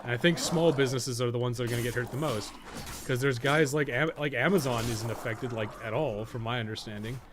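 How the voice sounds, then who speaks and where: Noticeable background noise, including crowd noise, surrounds a Canadian man in his thirties as he plays a game on his livestream. He talks fairly quickly at a medium pitch, rambling casually in colloquial, profane language.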